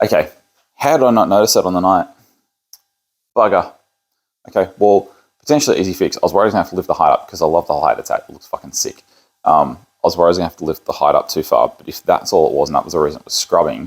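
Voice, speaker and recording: Talking very fast in an Australian accent, a man takes long, frequent pauses and swings widely in loudness. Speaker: car vlogger. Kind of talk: casual vlog talk.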